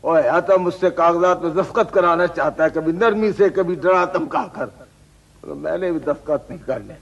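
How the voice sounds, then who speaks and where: An actor with a Pakistani accent playing a proud, stubborn landowner in a television drama, indignant and emphatic. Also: male voice, on the high side, normal speed, creaky, dull audio. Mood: bitter. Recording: old TV drama soundtrack with music.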